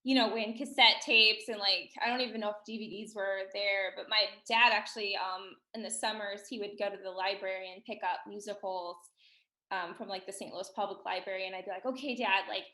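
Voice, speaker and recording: A chatty woman from Missouri in her thirties talks in a casual interview with a Midwestern accent. Her voice is bright and forceful, and she laughs easily between thoughts. The sound carries a roomy echo. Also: mid-range voice, steady tone, a little fast. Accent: Midwestern American. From Missouri, USA. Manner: chatty, laughs often, many ums. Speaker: podcast guest.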